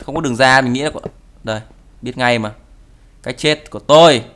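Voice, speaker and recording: A man's voice: medium pitch, brisk, fairly bright tone, slight background noise. A young man giving playful Minecraft commentary, breaking into mock-dramatic wailing and pleading. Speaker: gaming YouTuber. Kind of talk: Minecraft let's play commentary.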